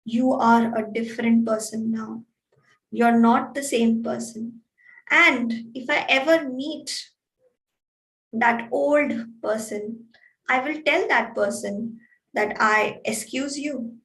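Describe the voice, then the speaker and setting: Serene wise sage, voiced by a woman, slow and measured, echoey distant sound. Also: fairly high pitch. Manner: calm, measured. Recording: roomy, distant from mic.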